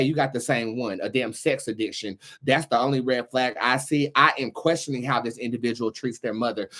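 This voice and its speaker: A man speaks at a medium pitch as a tarot reader and host. He talks casually and directly to his viewers. His manner is sassy and brash, and he swears freely. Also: fairly bright tone. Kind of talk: casual live tarot reading chat to viewers.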